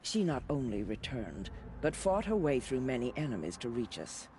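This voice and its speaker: A man's voice: medium pitch, big pitch swings, moderate pace, darkish tone, a little hiss or hum, close to an everyday voice. A man playing an earnest tribal warrior who gives a proud report.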